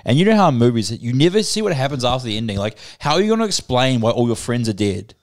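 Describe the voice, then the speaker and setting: A man's voice: mid-range voice, sing-song, fast. A young man co-hosting a casual podcast from a living room couch into a handheld mic, joking crudely and swearing a lot. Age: young adult. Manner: swears a lot, jokes loudly. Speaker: podcast co-host.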